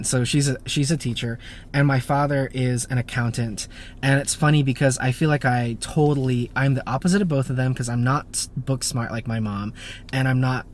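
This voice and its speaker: Casual YouTube host in his thirties, midrange voice, rambling and self-deprecating, faint hum behind. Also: mid-range voice. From born in Japan, raised in the United States. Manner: chatty, self-deprecating, many fillers and restarts. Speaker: YouTube car channel host. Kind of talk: casual Q&A to camera.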